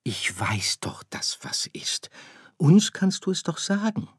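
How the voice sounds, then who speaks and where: Male reader as a worried, coaxing mother star, raised pitch, storybook audiobook. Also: sing-song, slow pace, breathy edge, dry recording, whispered, clean studio sound, exaggerated voice. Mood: caring. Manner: soft, coaxing. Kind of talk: audiobook character voice.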